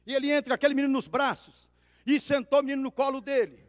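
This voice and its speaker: High-voiced Brazilian pastor, loud-soft preaching. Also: male voice, flat delivery, fast, studio quality. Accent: Brazilian Portuguese. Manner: dramatic swings between loud cries and hushed asides. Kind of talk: sermon storytelling. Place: church. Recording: reverberant church hall.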